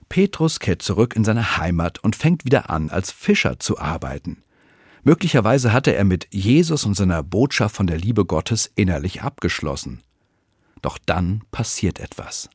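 A man from the church giving a scripted radio devotion with expressive, lively storytelling. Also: on the low side, slightly rough, no echo, studio quality. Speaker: church speaker.

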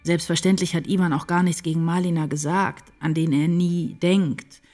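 An actress as a low-voiced, introspective woman narrator. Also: little pitch movement, a little mellow, soft background music, lightly acted. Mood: intense, reflective. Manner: measured, deliberate. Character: introspective woman writer narrating her inner life. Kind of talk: literary first-person radio drama narration.

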